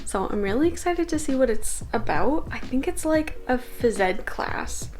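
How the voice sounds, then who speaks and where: A woman's voice: high-pitched, expressive, normal speed, a little mellow, soft background music. A young woman from Canada, vlogging casually at home with lots of "like" fillers. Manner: chatty, filler-heavy with many "like"s. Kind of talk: casual day-in-the-life vlog.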